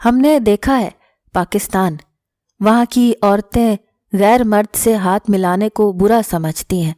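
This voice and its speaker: A woman's voice: mid-range voice, warm tone, dry recording, clean studio sound, close to an everyday voice. A woman voicing a smug foreign flirt. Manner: halting broken speech.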